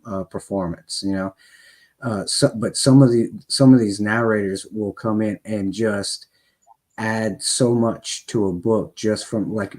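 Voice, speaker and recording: A man's voice: on the low side, a little mellow. A man hosting a podcast, talking in a loose, rambling way. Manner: rambling, with many fillers and restarts. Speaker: podcast host. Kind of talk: casual podcast interview.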